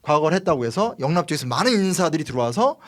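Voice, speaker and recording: A man from Seoul, a history commentator explaining politics in a lecturing way, full of fillers. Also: fairly high pitch. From Seoul, South Korea. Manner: fast, lively lecturing with frequent fillers.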